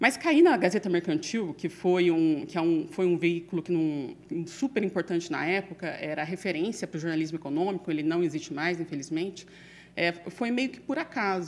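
At a moderate pace, a woman with a normal speaking voice and fairly low pitch shows ordinary pitch variation on a very clean recording with a silent background. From Brazil, São Paulo interior (Marília). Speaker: journalist. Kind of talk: interview.

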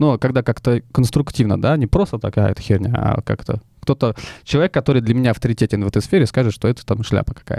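A man talks at a fairly quick pace with a dark, mellow tone. His pitch is medium, with ordinary variation. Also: dry, close sound with no echo, very clean recording, silent background. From Kazakhstan and Siberia, Russia. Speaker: photographer and Instagram producer. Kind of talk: casual chat. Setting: studio.

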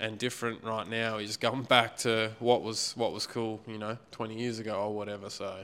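A man with an Australian accent in a bright, sharp tone, medium pitch and monotone, flat intonation, at a moderate pace with hardly any pauses. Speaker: podcast co-host. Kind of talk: casual chat.

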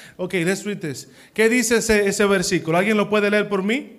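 A man's voice, showing ordinary pitch variation, carries audible room echo. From Puerto Rico, Dominican father. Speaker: pastor. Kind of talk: sermon. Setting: church with congregation. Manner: animated, repetitive.

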